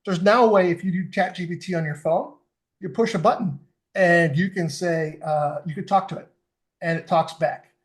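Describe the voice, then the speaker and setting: High-voiced enthusiastic man explaining. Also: normal speed. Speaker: fitness technology expert guest. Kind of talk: casual podcast interview.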